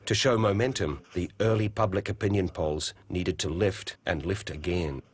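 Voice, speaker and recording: A man giving even, deliberate scripted documentary narration. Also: low-pitched, slightly rough.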